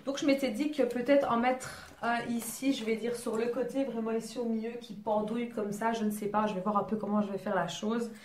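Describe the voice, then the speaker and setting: A woman's voice: on the high side, fairly even intonation, a little fast, few pauses, a little mellow. Chatty young woman in an echoey room. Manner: chatty, rambling, self-mocking with many fillers. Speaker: beauty vlogger. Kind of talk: casual haul chat. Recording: echoey room, faint noise.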